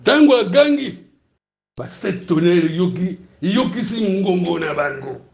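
A man with a Congolese French accent preaching a sermon, teaching in lively bursts and often asking his congregation whether it is clear. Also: high voice, unhurried. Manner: animated, asks the room if it is clear, laughs between points. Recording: roomy, echoey hall.

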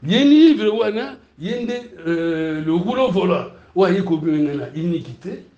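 A man with a Congolese French accent preaching a sermon, teaching in lively bursts and often asking his congregation whether it is clear. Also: high voice, unhurried, lo-fi sound. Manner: animated, asks the room if it is clear, laughs between points. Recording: roomy, echoey hall.

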